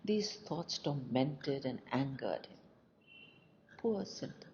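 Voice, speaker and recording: A woman narrating a scripted folk tale as an audio story, with deliberate, expressive delivery. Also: a bass voice. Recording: dull lo-fi recording with faint noise.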